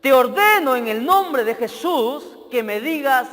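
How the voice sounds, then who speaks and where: Man playing a holy man, tearful pleading, stern commanding, high voice, reverberant church hall, faint music. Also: lively intonation, unhurried, fairly bright tone, full character voice.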